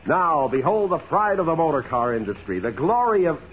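An actor playing a brash, excitable, wisecracking newspaper reporter with an American accent in 1940s radio drama style. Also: male voice, a little high, fairly quick. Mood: boastful, playful. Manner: breezy, colorful, wisecracking. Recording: muffled, hissy 1940s radio recording.

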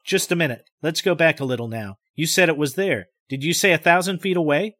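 A man reading the part of a doctor who questions his patient in a calm, firm, reassuring way. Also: a little high, fairly quick, no room sound, clean studio sound.

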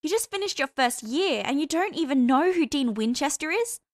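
A woman voicing an excitable, gossipy young college woman who talks in high, breathless bursts. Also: normal speed, no echo. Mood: excited gossip.

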